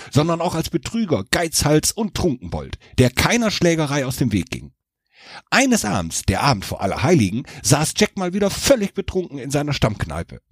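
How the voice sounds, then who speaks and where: A man's voice: medium pitch, husky, no echo. A man hosting a podcast, telling a humorous story with playful asides in a dry studio. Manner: playful asides, lively narration. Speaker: podcast host. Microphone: dry studio mic.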